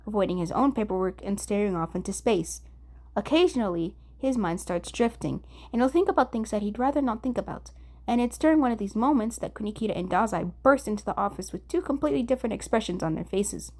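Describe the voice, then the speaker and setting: A woman reading fan fiction aloud as an expressive audiobook narrator, at a medium pitch.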